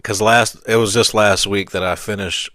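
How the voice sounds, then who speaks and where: A man hosting a casual interview, speaking in a relaxed, conversational way. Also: fairly low pitch, moderate pace. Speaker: podcast host.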